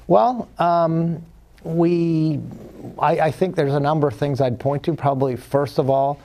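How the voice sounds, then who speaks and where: Exec guy on a talk show, gravelly voice, lots of um and uh, restarts a bunch. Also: fairly high pitch, steady tone, unhurried, warm tone. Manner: hesitant, many fillers and restarts. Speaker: company executive guest. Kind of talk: casual interview answers.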